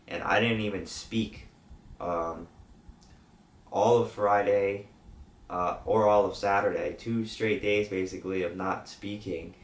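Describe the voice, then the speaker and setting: A young man from with a weak, sore-throated voice, rambling casually with fillers as he updates his channel. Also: deep voice. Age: young adult. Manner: rambling, with many fillers and restarts. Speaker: YouTube channel host. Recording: roomy, distant from the mic.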